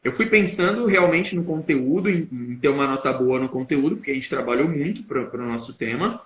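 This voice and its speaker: A young Brazilian man, a guest speaker on public speaking, explaining in a live-stream talk and shifting his emphasis and loudness to demonstrate. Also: medium pitch, expressive, fairly quick, reverberant, lo-fi sound, slight background noise. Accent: Brazilian Portuguese.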